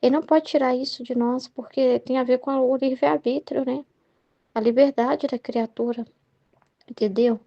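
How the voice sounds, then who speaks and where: A woman's voice: sits high, fairly even intonation, moderate pace, muffled recording. A young Brazilian woman leading a Catholic study, talking in a meandering way and tagging her sentences with "né?" and "entendeu?". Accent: Brazilian Portuguese. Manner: meandering, heavy use of "né?" and "entendeu?" tags. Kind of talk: spoken reflection on a devotional book.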